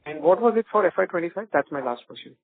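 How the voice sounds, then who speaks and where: A man, a financial analyst asking questions on an earnings call in a hesitant, halting way. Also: a little high, animated, creaky, noisy background. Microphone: phone call. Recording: tinny phone line.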